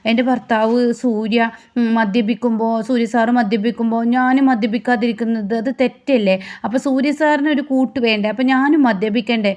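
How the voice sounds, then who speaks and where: A woman's voice: on the high side, fairly even intonation, brisk, dull audio, natural voice. Woman playing Nandini, a defiant tipsy wife. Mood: defiant scolding. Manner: loud, scolding questions.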